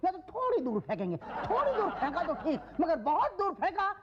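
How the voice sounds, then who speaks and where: A sarcastic, fed-up customs clerk. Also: male voice, very high-pitched, wildly swooping pitch, a little fast, heavily acted. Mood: exasperated. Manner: sarcastic, exasperated. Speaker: customs officer. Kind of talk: sitcom acting. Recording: dull old TV audio with crowd behind.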